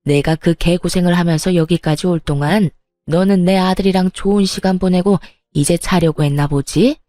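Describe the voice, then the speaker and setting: A woman's voice: lowish voice, moderate pace, mellow, no echo, faint music behind, close to an everyday voice. A woman voicing an angry middle-aged mother-in-law who scolds and sneers harshly, in a storytelling reading. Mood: scolding.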